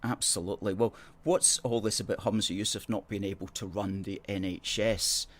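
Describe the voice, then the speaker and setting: A man's voice: on the low side, fairly even intonation, normal speed. A middle-aged man with an educated Scottish accent, hosting a livestream and replying to viewer comments in a chatty, sardonic way. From born in Hong Kong. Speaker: host.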